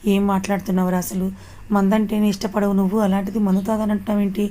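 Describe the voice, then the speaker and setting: A woman's voice: mid-range voice, flat delivery, fast talker, dark tone, lightly acted. A woman voicing a worried, loyal young man pleading with his friend, in a Telugu audio story.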